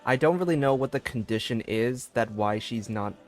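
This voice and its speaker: Male game streamer, casual chat, hesitant rambling, mid-pitched voice, faint music behind. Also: normal speed. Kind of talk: casual livestream commentary.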